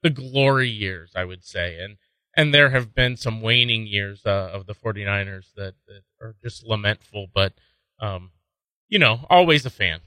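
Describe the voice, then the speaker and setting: A man's voice: lowish voice, animated, moderate pace, pushed and bright, dry recording, poor audio. A man in his forties, a pastor and interview guest, answering thoughtfully and a little hesitantly. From San Francisco Bay Area, raised in Indiana. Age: 40s.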